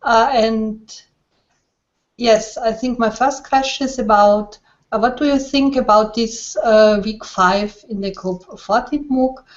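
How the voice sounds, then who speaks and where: A woman hosting an interview in an online hangout, speaking haltingly over a muffled web call. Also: fairly high pitch. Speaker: host, interviewer. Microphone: online video call.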